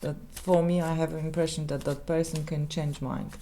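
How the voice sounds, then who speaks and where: Low, mellow Polish-accented woman. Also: little pitch movement, a little hiss or hum. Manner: halting, searching for words, many restarts. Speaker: tarot reader. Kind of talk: casual tarot reading monologue.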